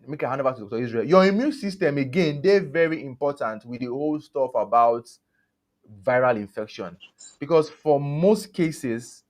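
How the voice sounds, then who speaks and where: West African man explaining in Pidgin English. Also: mid-range voice. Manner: conversational explaining with repetition for emphasis. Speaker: medical doctor and co-host.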